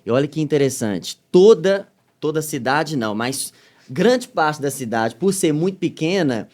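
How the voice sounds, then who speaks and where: A man from Minas Gerais with a Minas accent, telling a story as a missionary guest on a podcast, shifting between loud and soft. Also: a little high, expressive, normal speed. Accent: Minas Gerais Portuguese. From Minas Gerais, Brazil. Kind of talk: podcast testimony.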